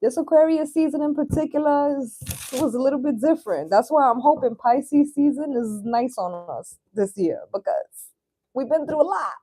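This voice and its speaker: A woman in her thirties hosts a casual livestream of chat and tarot readings, talking in a slangy, easygoing way that includes some swearing. Her voice is high-pitched with a dark tone at a moderate pace, and the recording quality is low.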